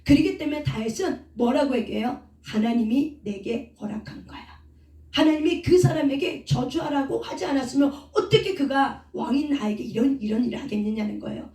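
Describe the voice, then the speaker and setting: A woman preaches a sermon, firing rhetorical questions at her listeners and answering them herself. Her voice is fairly high and mellow. The recording is roomy, with the mic well away from her. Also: brisk, few pauses. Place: prayer house. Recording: echoey room from a distant mic.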